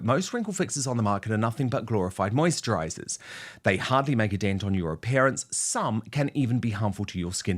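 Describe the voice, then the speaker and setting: A middle-aged man hosts an opinion talk show with lots of emphasis. His pitch moves widely up and down as he argues his points. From New Zealand. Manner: animated, emphatic. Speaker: host.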